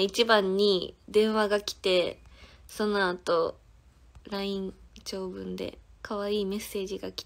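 A woman's voice: mid-range voice, vocal fry. A woman in her twenties with a Kansai accent, chatting casually on a phone livestream, giggling and answering viewers' comments one by one. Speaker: idol singer hosting a livestream.

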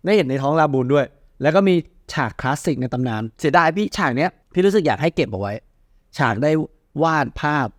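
Fast-talking, excitable male host. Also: on the high side, no room sound, studio quality. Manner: blunt, slangy and excitable. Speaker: host of a movie news show. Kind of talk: casual chat.

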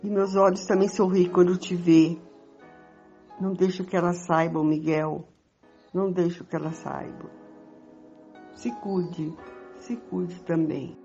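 A woman's voice: fairly low pitch, little pitch movement, a little slow, long pauses, dark tone, soft background music. An older Brazilian woman playing a tender, sly former sweetheart in an amateur radio soap. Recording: dull lo-fi recording.

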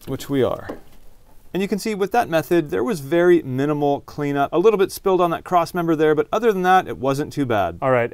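A man's voice: medium pitch, a little mellow, smooth. A man hosting a DIY car repair video, explaining each step in plain words as he works with his hands. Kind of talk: hands-on tutorial narration, talking while working.

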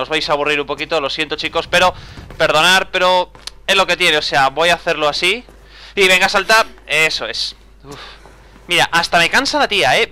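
A young man narrates his gameplay in a bright, crisp, clear voice that swings up and down animatedly. He mutters to himself, curses when things go wrong, and keeps up a casual, exasperated running commentary. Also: on the high side. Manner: exasperated, swears often, talks to himself. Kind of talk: casual let's-play commentary.

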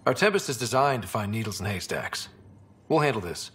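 A calm, steady space explorer leader. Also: male voice, fairly low pitch, brisk, slightly rough. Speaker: expedition leader. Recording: game audio with soft music behind.

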